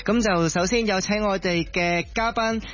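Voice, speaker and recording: A man's voice: high voice, moderate pace, fairly bright tone, dull audio. A man with a Hong Kong Cantonese accent co-hosts conversationally, stretching his phrases with particles and hesitations. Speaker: radio co-host. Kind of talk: conversational hosting and anecdotes.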